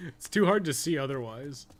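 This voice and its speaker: A man giving casual, rambling live commentary while playing a video game, with some swearing and self-amusement. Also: a little high. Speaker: video game streamer and podcast co-host.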